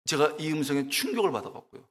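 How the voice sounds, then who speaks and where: A middle-aged man preaching a sermon, telling funny stories in an animated, exclamatory way and acting out the people in them. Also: a little high, fast. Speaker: guest preacher, preaching professor. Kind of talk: sermon with humorous storytelling. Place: church sanctuary. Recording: long church reverb.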